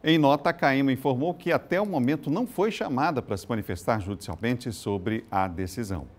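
A man presenting a regional morning TV news bulletin with a brisk announcer delivery and a Brazilian accent from Maranhão. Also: mid-range voice. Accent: Brazilian Portuguese, Maranhão. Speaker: news anchor.

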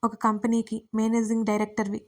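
A woman's voice: on the high side, monotone, brisk, natural voice. A woman voicing a cold, aloof young husband in an audio story, talking curtly and dismissively. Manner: curt, detached.

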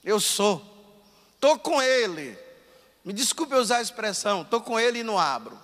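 A man, a priest, giving a lively, conversational sermon and voicing the people he quotes. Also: high-pitched, brisk, long reverb tail.

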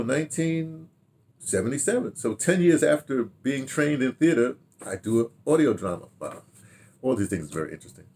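An older man with a husky voice reminiscing casually to camera, halting and digressive as he muses aloud and repeats words. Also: medium pitch, a little mellow. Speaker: veteran radio drama director recounting career. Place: small furnished home room with bookshelves.

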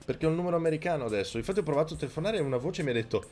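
A man streaming a video game live, talking close to his microphone, yelling and swearing at the game and thanking viewers. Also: fairly high pitch, expressive, rapid-fire, faint music behind. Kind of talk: live gameplay commentary. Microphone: microphone very close to the mouth.

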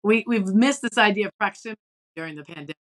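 A woman's voice: medium pitch, fast. A woman co-hosting a panel, talking in a chatty, conversational way on a video call from a home office with bookshelves. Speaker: co-host. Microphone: video call webcam.

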